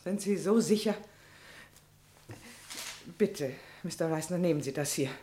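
A woman's voice: fairly low pitch, a little slow, dark tone, slight background noise, lightly acted. An actress playing an anguished, defensive married woman, dramatic and pleading, in a German crime radio drama.

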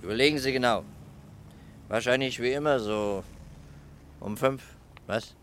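A man's voice: medium pitch, unhurried, a bit bright, slight background noise, natural voice. An actor playing a persistent police detective in a German radio crime play, formal and methodical in his questioning. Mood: patient.

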